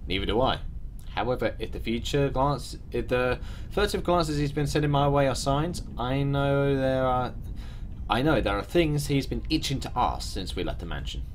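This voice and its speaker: A man reading a visual novel aloud as the streamer, expressive, with his own asides. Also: medium pitch, moderate pace, slight background noise. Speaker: game streamer.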